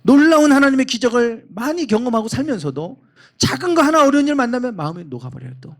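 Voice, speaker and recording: A man's voice: extremely high pitch, sing-song, quick pace. A man preaching a sermon as pastor in a church, speaking emphatically and leading the congregation in reading. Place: church sanctuary.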